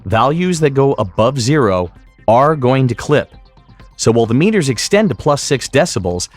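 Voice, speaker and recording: A man narrating a scripted software tutorial as an instructor, in a measured, explanatory way. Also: mid-range voice.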